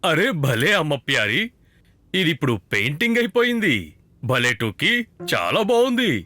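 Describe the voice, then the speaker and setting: Cartoon father: supportive, upbeat, highly animated intonation. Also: moderate pace. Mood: admiring. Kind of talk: children's cartoon dubbing.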